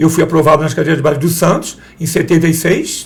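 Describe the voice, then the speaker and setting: This man talks at a high pitch. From Brazil, São Vicente (São Paulo coast). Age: 60s. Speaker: physical education professional, former goalkeeper. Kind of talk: interview.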